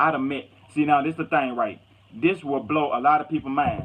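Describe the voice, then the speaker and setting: A man with an American accent, fairly high pitch, fairly even intonation, and a moderate pace. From US South, Louisiana. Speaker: vlogger. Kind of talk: casual monologue. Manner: halting, many fillers.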